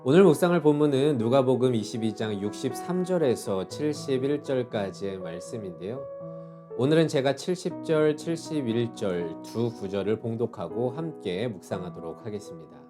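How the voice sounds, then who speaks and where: A middle-aged man, a pastor, giving a short devotional sermon with calm, measured reading whose line endings trail off softly. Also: mid-range voice, music in the background.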